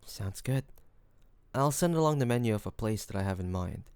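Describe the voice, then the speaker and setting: A man playing a smitten, courteous mafia boss in an intimate romantic audio roleplay, speaking haltingly with bashful hesitations. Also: on the low side, expressive, a little mellow, clean tone, no room sound, close to an everyday voice. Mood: shy, tender.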